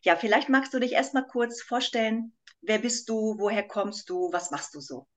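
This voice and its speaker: A woman's voice: on the high side, moderate pace. A woman hosting a podcast and working as a Pilates trainer, speaking in an enthusiastic, emphatic way and laughing easily. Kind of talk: casual interview chat.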